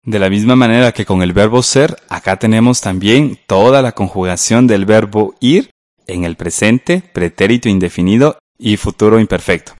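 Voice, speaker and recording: A man with a Guatemalan Spanish accent walks through a grammar textbook in a lowish voice. The sound is dry and close, and he explains clearly and patiently, tagging questions onto his points. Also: moderate pace, darkish tone, no echo. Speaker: teacher.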